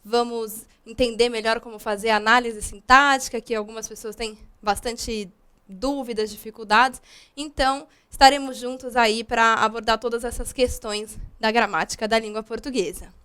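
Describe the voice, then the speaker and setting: A young woman from Brazil with a high, bright voice gives a recorded grammar lesson. She explains step by step, patient and unhurried, with frequent small fillers between points. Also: fairly even intonation, clear, resonant tone. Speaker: grammar teacher.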